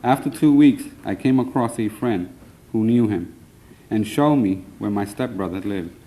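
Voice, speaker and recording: A man's voice: fairly low pitch, warm tone, low-quality recording. A man in his thirties from Puerto Rico reading his own poems at a conference, earnest and plain, a little nervous. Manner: earnest, plain, measured delivery with short line breaks. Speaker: poet reading his work. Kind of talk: live poetry reading. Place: conference hall.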